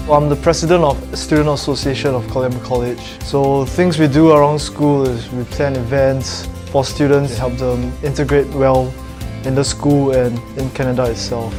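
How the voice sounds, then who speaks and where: A man's voice: mid-range voice, steady tone, moderate pace, few pauses. A man from Singapore, student association president, speaking matter-of-factly. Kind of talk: testimonial interview. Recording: music bed behind voice.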